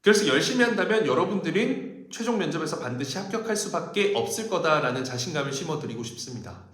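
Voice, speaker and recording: A man's voice: sits high, a bit bright. A man giving a polite, step-by-step instructional talk to viewers as an interview coach. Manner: polite, explanatory, step-by-step delivery. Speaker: job interview coach and host. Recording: roomy echo with faint background noise.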